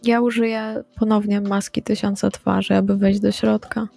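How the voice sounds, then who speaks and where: A woman's voice: mid-range voice, little pitch movement, normal speed, vocal fry, darkish tone, soft background music. A woman playing in a tabletop roleplaying game, speaking casually as her character.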